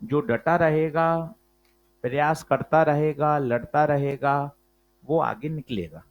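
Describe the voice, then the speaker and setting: Guy teaching physics to a class, kinda high voice, talks slow and stresses every point, keeps asking questions. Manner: slow, emphatic, quizzes students with questions. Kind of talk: classroom lecture.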